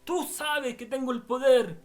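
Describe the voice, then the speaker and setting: A male preacher voicing the archangel Gabriel, pleading with God in high, loud cries. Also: steady tone, a little slow, soft background music. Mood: urgent pleading. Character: archangel Gabriel, mighty sword-bearing male angel, urgent.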